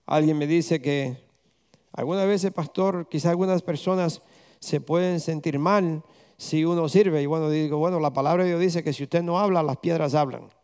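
A man's voice: on the high side, moderate pace, a little mellow, clean tone. A man preaching a conversational sermon as pastor, firing rhetorical questions at the congregation and slipping English words into his talk.

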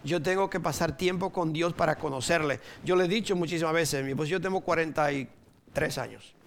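A Dominican man in his sixties preaches in a loose, chatty way, with a Dominican Spanish accent and a voice that sits a bit high for a man. He jokes, chuckles often and drops in English words. A soft hum of room noise sits underneath. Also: fairly quick. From Dominican Republic. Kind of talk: informal sermon with personal stories.

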